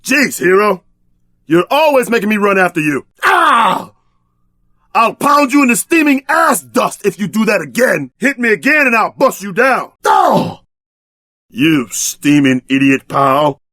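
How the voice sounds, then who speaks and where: A man's voice: sits high, very animated, measured pace, pushed and bright, no echo, shouting, full character voice. An actor voicing a brash, trash-talking tough-guy sidekick in a video game, bombastic and streetwise in exaggerated combat barks. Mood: exasperated.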